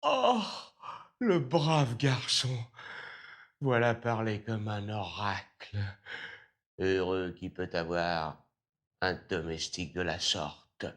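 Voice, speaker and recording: A suspicious old miser. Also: male voice, low voice, steady tone, fairly bright tone. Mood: delighted. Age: older. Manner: slow, emphatic theatrical delivery. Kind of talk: classical stage comedy acting.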